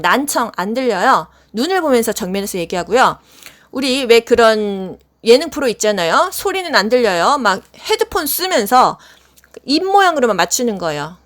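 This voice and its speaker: A woman's voice: on the high side, fairly bright tone. A woman giving a casual spoken exam-prep lecture, chatty, asking questions and answering them herself. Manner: chatty, asks and answers her own questions.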